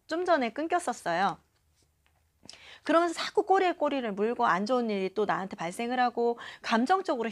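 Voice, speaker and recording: Chatty woman with a lively, high voice. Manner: chatty, acts out quoted lines, frequent filler "네". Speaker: channel host reading and commenting on a self-help book. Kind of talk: casual talk to camera. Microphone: phone.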